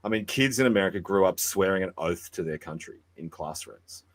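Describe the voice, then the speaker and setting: An Australian man arguing forcefully and sardonically in a podcast debate, often repeating words as he goes. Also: low voice, animated, a little fast. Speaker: debate guest.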